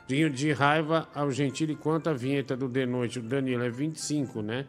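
A man's voice: medium pitch, steady tone, fairly quick, faint music behind. A man hosting a live stream, joking crudely and reading out viewer donations and messages. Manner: profane, jokey, reads messages aloud.

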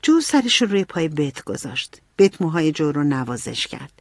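A woman narrating an audiobook in an expressive storytelling manner. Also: deep voice, dry recording, clean studio sound.

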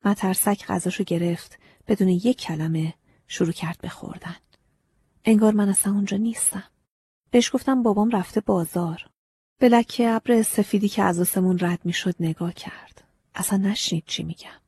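A woman narrates a story in the first person, often sinking into a half-whisper. Her voice is very husky and warm-toned. The recording is dry and close. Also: mid-range voice, dry recording. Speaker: audiobook narrator.

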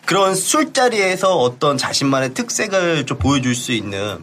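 A man's voice: on the high side, very animated, moderate pace, fairly bright tone. A man with a slight lisp chatting on a panel show. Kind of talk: casual panel chat.

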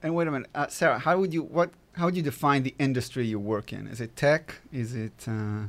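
A man's voice: medium pitch, fairly quick. A man hosting a podcast panel, chatty and a little self-deprecating. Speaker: podcast host.

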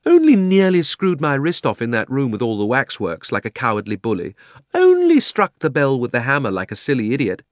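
A man voicing a brisk, sarcastic young girl in a storybook, with a prim and pointed manner. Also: medium pitch, very animated, fairly bright tone, dry recording, clean studio sound, pitched above the performer's own voice. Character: brisk, sarcastic, sharp-tongued young schoolgirl.

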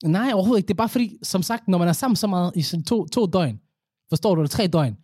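A man's voice: high voice, animated, a little mellow, husky, no echo, clean studio sound. A man chatting casually with a friend, telling stories and acting out what he says to himself. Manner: chatty storyteller, acts out his own inner talk, mixes in English. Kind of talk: casual chat.

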